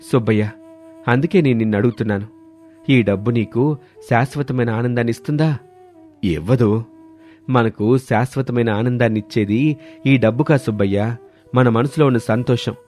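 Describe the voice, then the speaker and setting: A man's voice: mid-range voice, fairly quick, long pauses, a little mellow, close to an everyday voice. A man playing arguing village friends in a dramatized moral story, speaking emphatically. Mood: earnest, admonishing. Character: two village friends arguing, one greedy, one principled. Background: background music.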